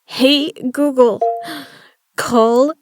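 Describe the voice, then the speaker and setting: A woman's voice: high voice, fairly even intonation, extremely slow, no echo. A woman acting a battered but tough poker player in an audio drama, her delivery strained and gasping. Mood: pained, struggling.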